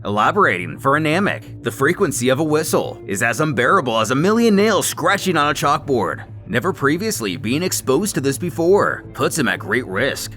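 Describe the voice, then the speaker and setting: A man's voice: medium pitch, very animated, normal speed, hardly any pauses, a bit bright, soft background music. A man delivering scripted story recap narration in a dramatic storytelling manner, with wry asides.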